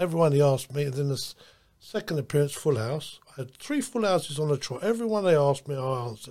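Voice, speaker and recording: The delivery runs at a very fast pace with lively intonation. The tone is dark and mellow, somewhat breathy. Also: man, fairly high pitch for a man. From South London, Tooting. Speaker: veteran taxi driver. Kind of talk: casual chat. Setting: studio.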